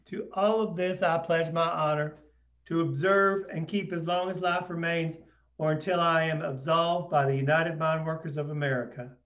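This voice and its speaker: A man's voice: on the high side, steady tone, normal speed, fairly bright tone, reverberant, muffled recording, pitched above the performer's own voice, close to an everyday voice. A man voicing a stern male union official who leads miners through a formal oath. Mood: solemn. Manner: solemn, formal recitation.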